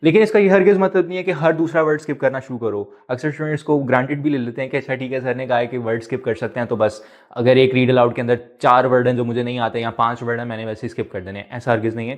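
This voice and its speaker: A man's voice: medium pitch, fairly even intonation, fast. Man teaching exam speaking tips. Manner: mixes Hindi-Urdu with English, explanatory, repeats key points. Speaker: PTE exam instructor. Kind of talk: video lesson.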